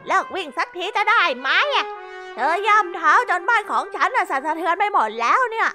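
A woman's voice: very high-pitched, very animated, normal speed, pushed and bright, pitched above the performer's own voice, exaggerated voice. A woman voicing a grumpy little meerkat who mocks and scolds from its burrow. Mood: irritated, mocking. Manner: rude, mocking. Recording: music underneath.

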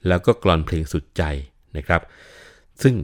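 An older man giving a patient explanatory talk on classical literature, often adding polite particles. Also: moderate pace. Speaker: lecturer on Thai classical literature.

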